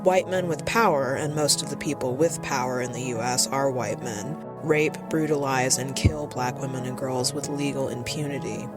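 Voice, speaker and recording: A woman's voice: a bass voice, fairly even intonation, normal speed, few pauses. Serious woman reading commentary over music. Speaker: radio presenter. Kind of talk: scripted political commentary.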